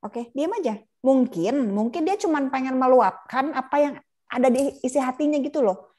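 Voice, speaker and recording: Woman lecturer, fairly high voice, casual and chatty, laughs often, acts out example dialogue. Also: lively intonation, normal speed, warm tone. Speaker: palliative care lecturer. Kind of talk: casual online lecture with role-play examples.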